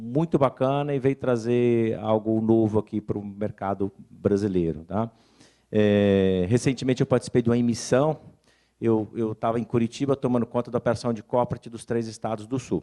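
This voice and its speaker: A man speaks at a fairly quick pace, medium in pitch with a dark, mellow tone and ordinary pitch variation. The sound is dry and close with no echo over a quiet background. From Minas Gerais, Brazil (Governador Valadares). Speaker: bank regional superintendent. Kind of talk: conference presentation. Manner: hesitant, many fillers.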